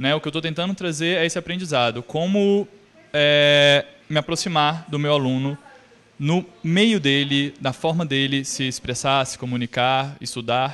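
A man speaks in a normal speaking voice at a moderate pace. His pitch is fairly high, with ordinary variation. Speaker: teacher. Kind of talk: interview testimonial. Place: classroom. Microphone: handheld.

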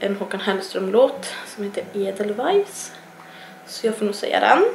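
A woman talks at a moderate pace. The recording has audible room echo and light background noise. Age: 20s. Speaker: vlogger. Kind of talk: Q&A tag video, casual monologue. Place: home room. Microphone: webcam.

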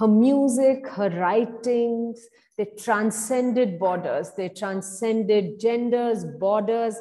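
A woman speaks very slowly in a dark, mellow tone with fairly even intonation. The background is quiet. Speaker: event moderator. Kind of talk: webinar moderation. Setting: video call. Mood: warm, reflective remembrance. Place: home room. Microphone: earbuds.

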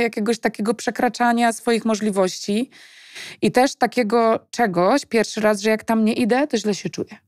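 Recorded very cleanly against a silent background, with a dry, close sound and no echo, a woman speaks in an unremarkable speaking voice at a fairly high pitch. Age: 40s. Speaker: videocast host, bank employee. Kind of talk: casual conversation.

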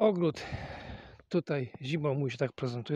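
In a quiet background with a dry sound and no echo, a man of fairly high pitch speaks at a moderate pace, somewhat breathy. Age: 60s. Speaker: vlogger. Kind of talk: casual vlog monologue. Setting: outdoors in snow. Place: garden. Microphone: phone near.

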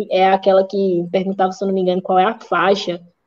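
This woman's dark, mellow tone comes at a moderate pace. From Petrolina, Pernambuco, Brazil; Pernambuco, Brazil. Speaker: exam candidate who passed the military school entrance exam, former student; candidate. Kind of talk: casual interview chat, testimonial. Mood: thoughtful, trying to recall. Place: home room. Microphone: video call.

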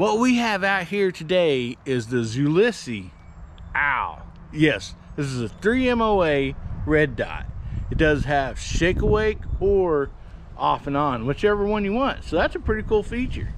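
A man talks at a fairly slow pace with very wide pitch swings. The sound is dry with no echo, though there is noticeable background noise. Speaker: gun channel host. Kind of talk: casual product review vlog. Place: open country. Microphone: phone near.

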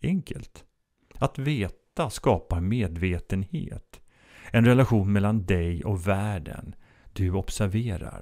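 A man talks at a very slow pace in a fairly low pitch, his intonation lively. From Stockholm, Södermalm. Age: 50s. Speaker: former police officer turned author. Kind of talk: reading aloud; scripted monologue.

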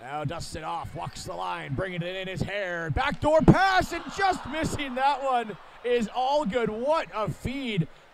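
Speaking at a fairly slow pace with hardly any pauses, a man uses a high pitch, very wide pitch swings, big swings in loudness and an upbeat tone. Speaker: play-by-play hockey commentator. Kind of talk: live sports commentary, play-by-play. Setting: broadcast from an arena. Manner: upbeat and jokey between plays.

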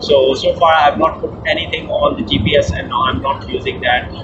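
Speech at a moderate pace over loud background noise. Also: man. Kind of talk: casual vlog chat. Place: car. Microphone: phone near.

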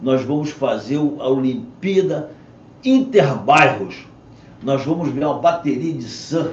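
Amid light background noise and audible room echo, a man with a fairly high pitch talks at a fairly slow pace with lively intonation. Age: 60s. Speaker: mayoral candidate and physician; candidate. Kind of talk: interview answers, campaign talk. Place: studio.

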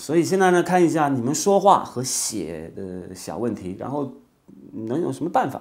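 A man's fairly high-pitched voice at a moderate pace, with vocal fry, very wide pitch swings and big swings in loudness. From France. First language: French (speaking Chinese). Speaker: French language teacher; language teacher. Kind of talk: tutorial. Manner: halting, many fillers and repeats. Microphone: lapel.

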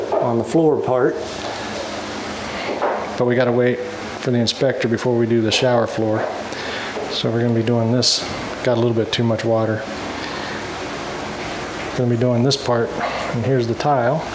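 Noticeable background noise runs beneath a man who talks at a moderate pace, with long, frequent pauses. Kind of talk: casual vlog chat. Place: bathroom. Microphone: phone near.

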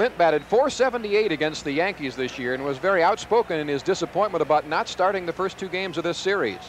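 A man talks at a very fast pace with hardly any pauses, his pitch high, his intonation lively and his tone excited. The sound is dry with no echo, over light background noise. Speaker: baseball play-by-play announcer. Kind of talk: live baseball commentary; sports commentary. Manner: crisp, excited on home run call.

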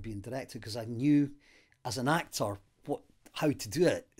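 Against a quiet background, a man with a slight Aberdeen accent speaks with ordinary pitch variation. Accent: light Aberdeen Scottish. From Scotland. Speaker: actor and theatre director. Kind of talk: interview. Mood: relaxed, reminiscing. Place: home room.

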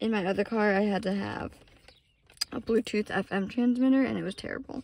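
A woman talks at a moderate pace with ordinary pitch variation, in dry sound with no echo and light background noise. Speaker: vlogger. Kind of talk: casual vlog chat. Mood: cheerful, excited. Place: car. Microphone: phone near.

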